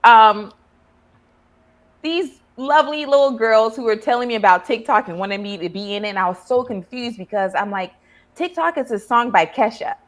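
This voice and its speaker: A woman's voice: on the high side, moderate pace. A woman from Ghana hosting a casual interview as a therapist, asking friendly questions and laughing easily. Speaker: therapist and podcast host.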